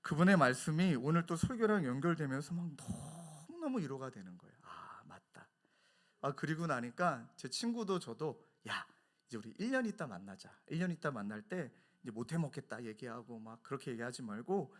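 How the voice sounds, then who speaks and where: Male pastor, thirties, lively storytelling sermon, slightly high voice, acts out quoted friends. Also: a little fast.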